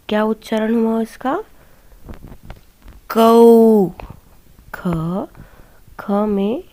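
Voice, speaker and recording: Woman teacher sounding out hindi syllables for little kids, super slow, mellow voice. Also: medium pitch. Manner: slow, sounds out syllables and asks children to repeat. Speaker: primary school teacher. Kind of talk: children's Hindi lesson.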